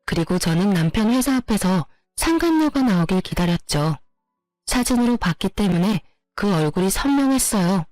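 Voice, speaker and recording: A woman's voice: medium pitch, animated, normal speed, darkish tone, no room sound, faint music behind. Indignant woman narrating a true story. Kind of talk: first-person story narration.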